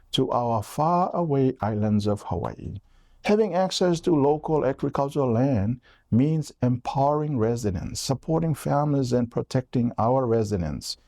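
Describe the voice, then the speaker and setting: A man in his forties from Tonga, giving a measured, earnest prepared campaign statement as a political candidate. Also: medium pitch, vocal fry, warm tone, no echo, clean studio sound.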